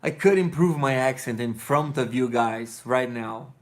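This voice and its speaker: A man's voice: medium pitch, a little slow. A man in his thirties with a Brazilian accent, sleepy and rambling loosely as he answers chat on a live stream from his living room. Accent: Brazilian Portuguese. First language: Portuguese. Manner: loose, digressive, self-correcting, blunt. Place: living room with couch and colored lights.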